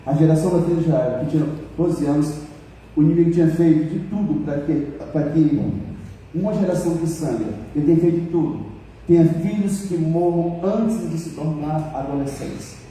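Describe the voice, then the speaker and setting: Brazilian preacher, emotional storyteller, dark mellow tone, far from mic in a reverberant church. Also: male voice, a little high, moderate pace, slight background noise. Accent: Brazilian Portuguese. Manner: emotional storytelling, addresses congregation. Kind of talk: sermon. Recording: echoey church hall, voice from far off.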